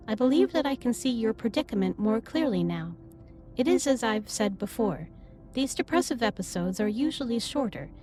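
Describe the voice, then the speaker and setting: A caring female alien captain acted by a woman speaks in a fairly high voice with formal, measured phrasing. She is gentle and reassuring, as in an intimate sci-fi roleplay drama. Music plays behind her. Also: lightly acted. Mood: gentle, concerned. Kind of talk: scripted roleplay audio drama, intimate comforting monologue. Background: ambient music.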